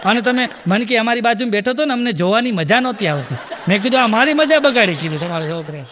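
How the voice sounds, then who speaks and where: A man with a high voice does stand-up, racing through anecdotes and acting out the dialogue. His voice carries the long reverb of a live hall. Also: a bit bright, a little hiss or hum. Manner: rapid anecdotal storytelling with acted dialogue. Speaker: stand-up comedian. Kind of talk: Gujarati stand-up storytelling.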